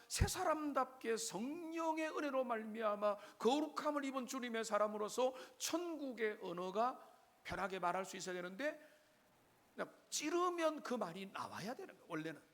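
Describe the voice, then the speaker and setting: A man's voice: extremely high pitch, fairly bright tone. A man preaches a Sunday sermon in his church. He speaks straight to the congregation. He asks them question after question. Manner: preaching with frequent direct address to the congregation and rhetorical questions. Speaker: pastor. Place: church sanctuary.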